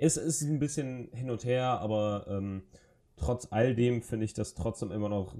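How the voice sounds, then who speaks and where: In a very clean recording with a silent background, a man talks at a fairly slow pace in a medium pitch, his tone dark and mellow and his pitch varying in an ordinary way. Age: 20s. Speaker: podcast co-host, apprentice. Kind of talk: casual chat. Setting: indoor home studio. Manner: halting, repeats words.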